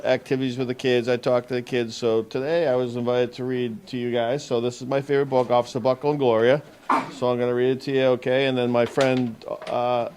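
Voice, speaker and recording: A man's voice: medium pitch, a little mellow. A man working as a police school officer, talking informally and reading aloud to children. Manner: informal, addresses children directly. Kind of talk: casual talk and story reading aloud to children. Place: public library story time with children. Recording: noisy room, background noise.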